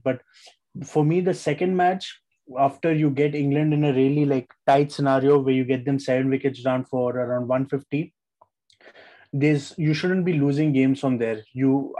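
Mellow South Asian-accented man co-hosting a podcast. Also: medium pitch, rough recording. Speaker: podcast co-host. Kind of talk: casual sports discussion mixing in Hindi-Urdu.

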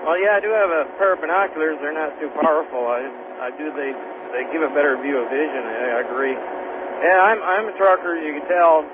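A folksy trucker calling in from his cab, his voice a bit high for a man. The phone line is thin and narrow, and steady road noise runs clearly underneath him. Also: a little fast. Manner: folksy, with stammered restarts. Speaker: caller, trucker. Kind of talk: call-in chat.

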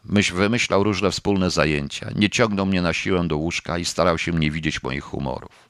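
A man narrates a novel in the first person with a very low, steady voice. His delivery is measured and subdued. The recording is close and dry, with no room echo. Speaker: audiobook narrator.

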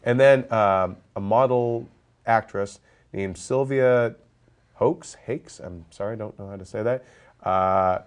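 A man's voice: fairly low pitch, measured pace, smooth. A stuffed-up man hosting a movie podcast, chatting casually and joking around with lots of fillers. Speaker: podcast host. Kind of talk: casual roundtable chat.

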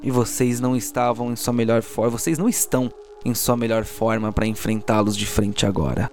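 A man's voice: mid-range voice, fairly even intonation, fairly quick, a little mellow, a little hiss or hum. A man with a Brazilian accent, working as game master and narrating a tabletop RPG audio drama in a theatrical, storytelling way. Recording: music behind the voice. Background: soundtrack music.

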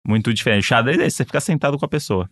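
A man's voice: medium pitch, lively intonation, racing, no echo, studio quality. A young adult man, co-hosting a podcast in a casual, jokey, rambling way. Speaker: podcast co-host. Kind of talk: casual chat.

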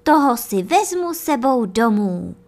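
Eager young schoolboy from a storybook, high, excited chatter; a woman reader acts him out. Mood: eager, dreamy.

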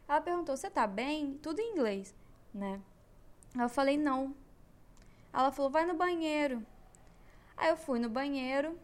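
A young Brazilian woman with a Brazilian Portuguese accent, hosting a podcast and telling a personal story in an emotional, animated way. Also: high-pitched. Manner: emotional, animated retelling with slang. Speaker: podcast host.

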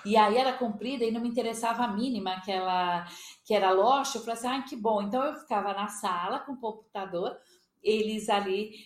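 A woman in her fifties from Brazil, a podcast guest telling her story in a lively, animated way. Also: mid-range voice, brisk. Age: 50s. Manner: lively, animated retelling with quoted dialogue. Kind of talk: casual storytelling interview. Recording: echoey room.

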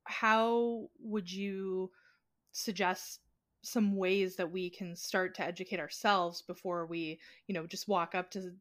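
Lower-voiced woman interviewer, close dry sound. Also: dry recording. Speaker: podcast interviewer. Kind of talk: conversational interview questioning.

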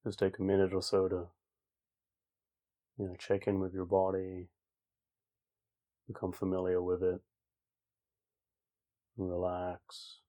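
Male meditation guide: low, level voice, slow and calm, informal phrasing with long gaps. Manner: calm, unhurried, with long pauses. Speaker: meditation teacher. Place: online group session over video call.

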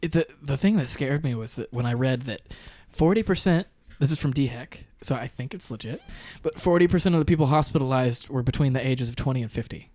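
A man's voice: mid-range voice, a little fast, hardly any pauses, darkish tone, dry recording. Laughing, stammering man on a podcast. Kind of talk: casual podcast chat.

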